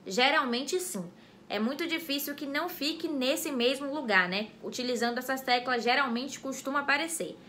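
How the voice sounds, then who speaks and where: A Brazilian woman with a high, bright voice teaches a grammar lesson. She explains clearly and step by step, addressing her viewers directly as she goes. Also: moderate pace, slight background noise. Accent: Brazilian Portuguese. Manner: clear and didactic, speaks straight to viewers. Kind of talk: educational explainer video.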